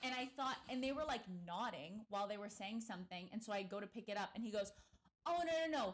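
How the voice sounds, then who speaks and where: A woman with a fairly high pitch and an American accent talks in an animated tone with lively intonation. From Florida. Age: 20s. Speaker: podcast co-host. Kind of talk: casual chat. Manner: loud.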